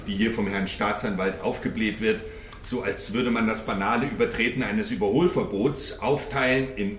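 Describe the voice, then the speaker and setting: A man's voice: medium pitch, a bit bright, roomy sound, slight background noise, natural voice. An actor playing a pedantic male defense lawyer who argues at length and indignantly in court. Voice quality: verbose, argumentative, indignant. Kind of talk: radio drama acting.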